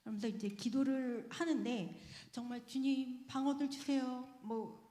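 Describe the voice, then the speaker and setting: A woman's voice: high voice, steady tone, moderate pace, mellow. Woman giving testimony in echoey church. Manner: chatty, laughing often, earnest. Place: church sanctuary. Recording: echoey church hall with long reverb.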